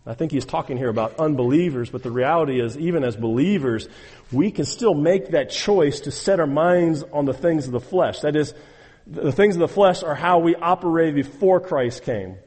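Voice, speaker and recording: A man's voice: a little high, moderate pace, darkish tone, slightly rough, big-room sound. A man preaching a sermon, emphatic and exhorting, repeating phrases and speaking straight to his listeners. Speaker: pastor.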